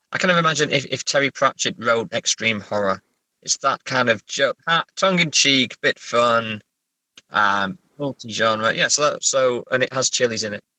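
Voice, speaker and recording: A man from England chatting casually as an interview guest, halting and self-correcting, with a wry way of telling stories. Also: mid-range voice, sharp tone, no room sound, low-quality recording. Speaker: horror novelist and therapist guest. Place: sitting in a parked car.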